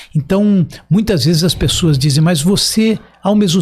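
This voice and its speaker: This man speaks at a moderate pace with a high pitch and lively intonation. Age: 60s. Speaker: physician and healthcare executive. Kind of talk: podcast interview. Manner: formal.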